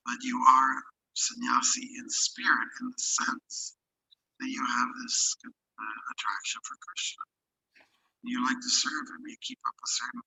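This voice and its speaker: A man leading an online class discussion as a spiritual teacher, speaking thoughtfully with hesitant fillers, his voice robotic and low in sample rate over a video call. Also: vocal fry, sharp tone, slightly rough, poor audio. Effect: robotic, low sample rate video-call audio.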